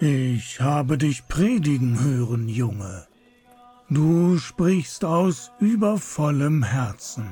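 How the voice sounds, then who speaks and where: Very slow speech over faint music in the background. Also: man, fairly high pitch for a man. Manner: warning, then scolding and authoritative.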